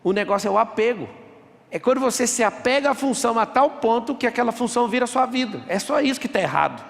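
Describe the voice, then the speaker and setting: A man's voice: extremely high pitch, animated, quick pace, vocal fry, a bit bright, in a large hall. A man giving an emphatic motivational talk in an auditorium, taking questions from the audience. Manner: emphatic, rhetorical, quotes people in voices. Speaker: speaker at a live event.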